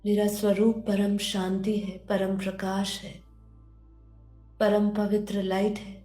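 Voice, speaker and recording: A woman leading a guided meditation and spiritual teaching in a gentle, instructive manner, often repeating phrases. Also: mid-range voice, monotone, slow pace. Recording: roomy echo under background music. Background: music.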